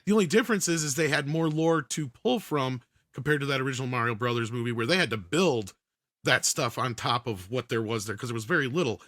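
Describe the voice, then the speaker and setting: A man with a bright, forceful voice in a dry-sounding setup discusses films casually. He is opinionated and keeps building his argument at length, like a regular on a talk show. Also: medium pitch, quick pace, no room sound. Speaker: panelist on an entertainment news talk show.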